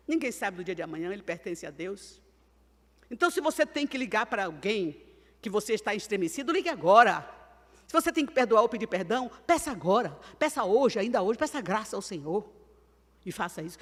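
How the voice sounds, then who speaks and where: An older woman preaching a sermon, telling homely stories in a chatty way and swinging between loud and quiet. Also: on the high side, in a large hall. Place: church.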